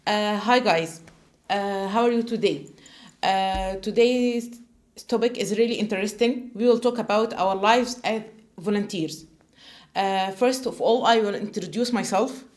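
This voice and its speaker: A woman's voice: medium pitch, measured pace. A woman, co-hosting a podcast in a studio and speaking hesitantly with many fillers. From Egypt. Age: 20s. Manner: hesitant, many "uh" fillers, asks guests questions. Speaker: podcast co-host. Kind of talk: casual podcast chat. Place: small studio.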